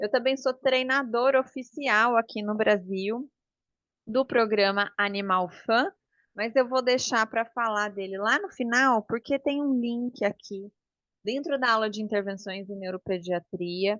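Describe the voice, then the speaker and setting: This voice moves at a fairly slow pace with ordinary pitch variation. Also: woman, fairly high pitch for a woman. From São Paulo, Brazil. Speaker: physiotherapist. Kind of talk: lecture. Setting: symposium talk. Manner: halting, many fillers.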